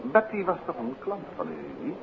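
An actor playing an unruffled gentleman detective and teasing husband in a 1950s radio play, wry and courteous. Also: fairly high pitch, huge pitch swings, normal speed, a crowd in the background. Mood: courteous, probing. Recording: muffled, hissy 1950s radio recording.

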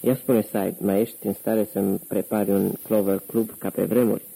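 A man reading an audiobook, voicing a calm, commanding man who poses as a mob boss and gives curt orders. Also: on the low side, gravelly, breathy edge, poor audio.

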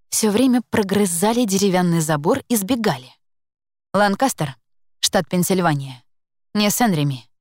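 Woman reading a novel out loud, lowish voice, calm and even, very dry close sound. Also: dry recording. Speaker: audiobook narrator. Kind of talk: scripted first-person narration.

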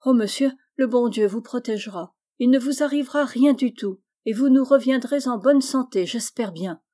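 A thrifty, devout servant woman, read by a woman storyteller, earnest and full of warnings. The voice is fairly high, mellow and soft-toned. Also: normal speed, close to an everyday voice. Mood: cautioning.

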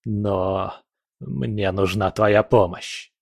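A man voicing a hoarse, furious male rebel leader who growls through his teeth. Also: fairly low pitch, drawn-out words, no room sound, clean studio sound, full character voice. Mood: bitter. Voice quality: hoarse, raspy.

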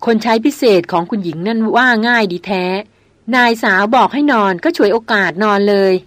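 A woman doing a curt, gruff male hunter. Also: on the high side, brisk, dry recording, close to an everyday voice. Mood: wry. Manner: curt, stern.

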